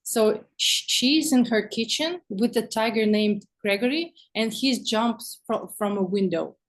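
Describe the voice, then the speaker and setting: A woman's voice: fairly high pitch, measured pace. A woman who is not a native English speaker, chatting casually as an interview guest about her work as a visual artist, often searching for words.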